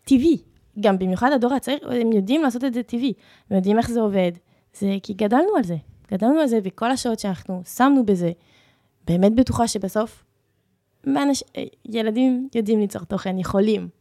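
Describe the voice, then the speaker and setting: A woman's voice: on the high side, warm tone. A young woman with a French accent, chatting and telling stories casually as an interview guest. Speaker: content creator, interview guest. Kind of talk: casual conversational storytelling.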